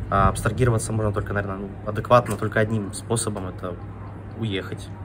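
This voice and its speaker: Over noticeable background noise, a man speaks fairly quickly at a fairly low pitch. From Russia. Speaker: software developer; street interview respondent. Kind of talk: interview. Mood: calm, thoughtful. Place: street.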